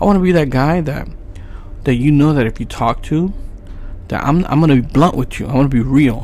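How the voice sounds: A man speaks at a fairly quick pace in a medium pitch, with ordinary pitch variation and a slightly mellow tone.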